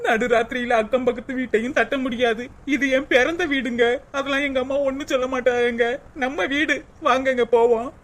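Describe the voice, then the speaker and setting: A tearful young married daughter, voiced by a woman for a cartoon. Her high voice sobs and pleads. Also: steady tone, brisk, few pauses, a bit bright. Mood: sad. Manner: sobbing, pleading.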